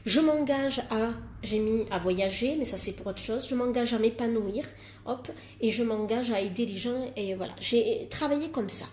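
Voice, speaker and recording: Woman life coach, emphatic and self-mocking, live-stream talk, slightly high pitch. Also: moderate pace, a little mellow, slight background noise. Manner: emphatic, repeats words for stress, jokes at herself.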